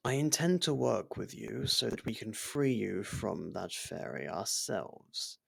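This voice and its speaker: A man's voice: lowish voice, animated, a little slow, creaky, husky, dry recording, full character voice. A man playing a devoted, worried royal servant in an intimate fantasy roleplay, speaking formally and earnestly with careful deference. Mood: earnest, determined.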